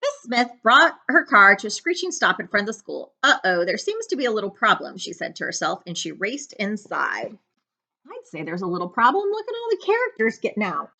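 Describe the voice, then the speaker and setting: Female storybook reader, middle-aged, bright tone, very lively intonation, dramatic delivery for children. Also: mid-range voice, moderate pace. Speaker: librarian reading aloud. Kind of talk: children's picture-book read-aloud with asides. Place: living room couch, indoors.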